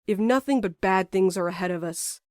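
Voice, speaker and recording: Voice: medium pitch, brisk, dry recording, natural voice. Wry, stubborn postmaster, acted out, dry sound. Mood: earnest. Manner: wry, casual, deflecting with jokes. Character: sardonic, sweary, stubborn young postmaster courier. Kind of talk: naturalistic audio drama acting.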